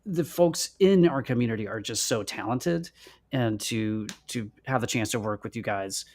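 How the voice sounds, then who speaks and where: A man co-hosting a casual livestream, speaking haltingly and repeating words as he goes. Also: mid-range voice, a little mellow. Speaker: show co-host.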